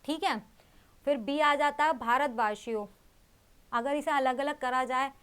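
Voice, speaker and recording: A woman's voice: high-pitched, unhurried, a bit bright. A young woman teaching an exam-prep grammar lesson, explaining with rhetorical questions and repeating key terms.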